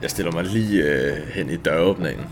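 A man playing a tabletop game, speaking with hesitant, gruff banter. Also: low voice, over music. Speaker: player.

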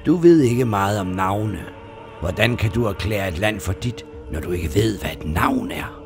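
Male narrator doing a calm, riddling demon lord; low, gravelly, quietly menacing, storybook read over music. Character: ancient male demon of the land, calm and cunning. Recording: music playing underneath.

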